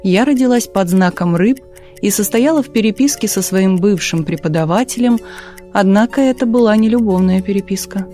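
A woman narrating a literary audiobook in a calm, measured reading style. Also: mid-range voice, soft background music. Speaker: audiobook reader.

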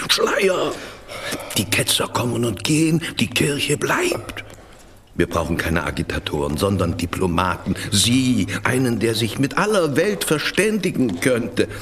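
An actor playing an imperious, fervent Catholic vicar in a historical radio drama, commanding and theatrical. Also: male voice, fairly high pitch, a bit bright, a little hiss or hum.

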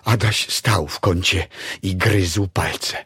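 A man reading a story aloud in a dramatic, expressive style. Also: deep voice, slow pace, breathy edge, no echo, studio quality. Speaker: narrator. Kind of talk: audiobook story narration.

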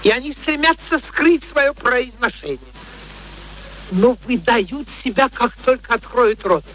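High, sharp, pompous male professor. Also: expressive, a little slow, exaggerated voice. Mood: boastful. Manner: pompous, emphatic, declamatory, precise diction. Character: arrogant, excitable gentleman phonetics professor, scornful and boastful. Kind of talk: theatrical radio play acting. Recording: noisy vintage radio play recording.

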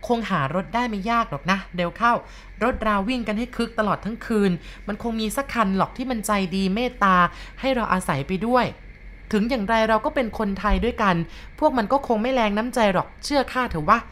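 A woman's voice: on the high side, fairly quick, a bit bright, slight background noise, pitched above the performer's own voice, close to an everyday voice. A woman doing a blunt old village midwife. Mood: coaxing.

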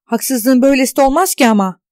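A woman reading out the loud, exasperated outbursts of a shaken, indignant character alone at home, in an audiobook. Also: a little high, brisk, no echo, clean studio sound, lightly acted. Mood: distraught.

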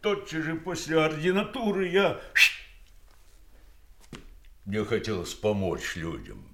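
An old doctor looking back on his long life in a stage-style audio drama. His delivery is unhurried and his pitch swings widely. He rambles, halts and exclaims, both wistful and bitter. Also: wildly swooping pitch, full character voice. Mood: bitter, reflective. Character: garrulous wistful old doctor, eighty-six, bitterly reflective. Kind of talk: theatrical audio drama monologue.

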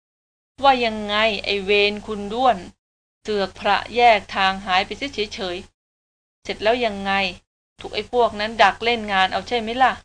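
A woman's voice: mid-range voice, fairly even intonation, measured pace, a bit bright, lightly acted. A woman voicing a coarse, mocking young hunter. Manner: scolding, sarcastic delivery.

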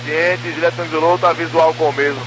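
A man's voice: fairly high pitch, little pitch movement, brisk. A man talking as an airline pilot over the radio, in clipped radio phraseology. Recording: noisy hissing radio transmission.

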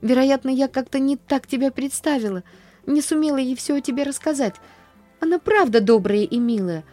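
Storybook little girl, high and earnest, soft mellow tone, voiced by a woman, faint music behind. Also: close to an everyday voice.

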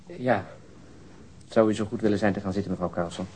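An actor playing a sober, weary police detective in a radio crime drama, terse and subdued. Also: male voice, fairly low pitch, fairly quick, darkish tone, slight background noise, lightly acted. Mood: gentle, grave. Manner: terse, matter-of-fact, subdued.

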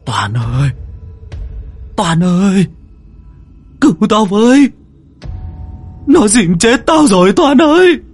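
A man's voice: high voice, sing-song, slow pace, pauses often, breathy edge, faint music behind, voice pushed up, heavily acted. A man voicing an older man wailing and pleading for help as he drowns.

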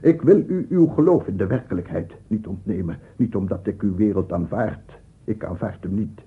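Casting: obsessed, tortured madman, gravelly and breathy, theatrical radio monologue on a tinny old recording. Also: fairly low pitch, expressive, moderate pace, full character voice. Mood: haunted, brooding. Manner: intense, swinging from whispers to cries. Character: tormented, obsessive madman addressing imagined gentlemen. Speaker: radio play actor.

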